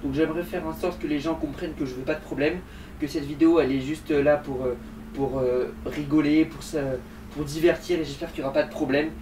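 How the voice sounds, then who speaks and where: A man's voice: fairly high pitch, fairly even intonation, fairly quick, a little mellow. A man hosting a casual comedy vlog, speaking informally and a little hesitantly. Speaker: video creator, host. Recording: echoey, distant, faint background noise.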